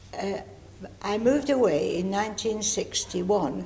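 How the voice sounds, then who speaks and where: A woman with a Cumbrian accent and ordinary pitch variation, heard with audible room echo. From Kendal, Cumbria, northern England. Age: 80s+. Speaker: congregation member. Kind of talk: interview.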